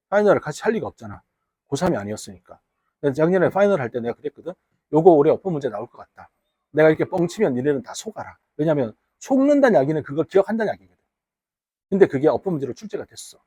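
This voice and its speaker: Lively, husky-voiced man teaching a class. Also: fairly high pitch, no echo. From Gyeongsang region, Korea. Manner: teasing, chatty, banters with students. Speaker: high school English teacher. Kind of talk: casual classroom lecture. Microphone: wearable mic.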